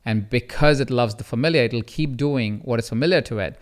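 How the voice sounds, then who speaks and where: Guy hosting a coaching podcast, smooth clear voice, animated when he acts out quotes. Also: mid-range voice, fairly quick. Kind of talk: conversational storytelling.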